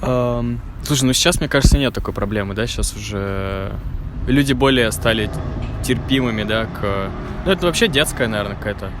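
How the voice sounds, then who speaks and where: A man hosts a casual interview and asks curious follow-up questions. He often murmurs along as the guest talks. His voice sits at a middle pitch, and loud traffic fills the background. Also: fairly quick. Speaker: podcast host.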